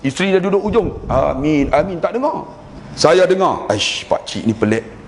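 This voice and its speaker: A man with a Malaysian Malay accent preaching a sermon, telling stories with humor and chanting prayers in a drawn-out way. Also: high-pitched, sing-song, slight background noise. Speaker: religious preacher. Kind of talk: sermon storytelling. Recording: long hall reverb.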